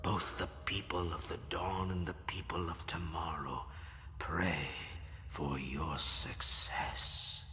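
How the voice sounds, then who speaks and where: An actor playing a grave, solemn old tribal elder in a game, with a gravelly, breathy voice and weighty delivery. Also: male voice, deep voice, flat delivery, pushed and bright, slight background noise, exaggerated voice. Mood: grave urging. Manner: slow, weighty, portentous. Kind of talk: solemn dramatic game cutscene monologue.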